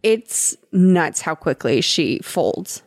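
A woman's voice: on the low side, big pitch swings, slow, no echo, clean studio sound. A woman co-hosting a podcast, recapping a movie in casual chat with a wry, playful manner. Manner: wry, playful, acts out characters. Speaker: podcast co-host.

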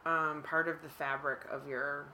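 A woman joins a podcast as a guest and speaks haltingly, full of fillers. Her voice sits very low for a woman, yet it stays bright and crisp. A faint noise runs underneath. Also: level tone, low-quality recording. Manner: hesitant, halting, with many fillers. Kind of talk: casual chat.

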